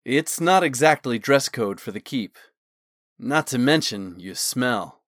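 A man's voice: mid-range voice, lively intonation, a little slow, a bit bright, no room sound, clean studio sound. A man as a wry, fond guardsman. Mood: smug, teasing. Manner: wry, teasing. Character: teasing, smug male guardsman, fond of his friend. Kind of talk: audiobook character dialogue.

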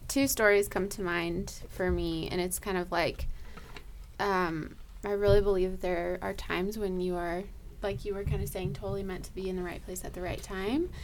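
A woman's voice: medium pitch, moderate pace, slight background noise. Chatty laughing woman nurse. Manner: lively, laughs often, many likes. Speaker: ER nurse guest. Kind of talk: casual storytelling.

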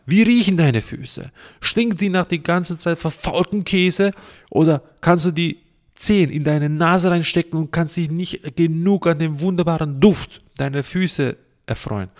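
Blunt, crude-talking man preaching health. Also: fairly high pitch. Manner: blunt and crude, string of rhetorical questions; sarcastic. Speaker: self-help podcast host.

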